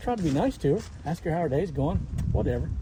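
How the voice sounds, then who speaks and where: A man's voice against noticeable background noise. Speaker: pressure washing business owner. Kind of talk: casual vlog talk.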